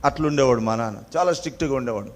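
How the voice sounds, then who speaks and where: A man preaching a sermon with a Telangana Telugu accent, asking the congregation questions and swinging between loud emphatic peaks and quiet asides. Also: medium pitch, rapid-fire. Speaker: pastor.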